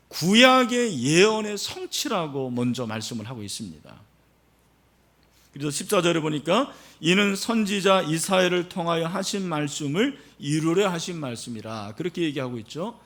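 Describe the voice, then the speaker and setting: A man's voice: sits high, a bit bright. A middle-aged man preaching a sermon as pastor, explaining the passage and putting questions to the congregation. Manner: explanatory, asks the congregation questions, frequent fillers. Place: church sanctuary.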